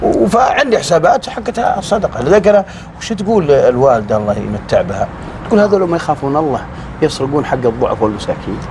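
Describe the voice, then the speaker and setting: Over noticeable background noise, a man talks at a fairly quick clip. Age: 40s. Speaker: preacher. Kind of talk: casual chat. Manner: animated.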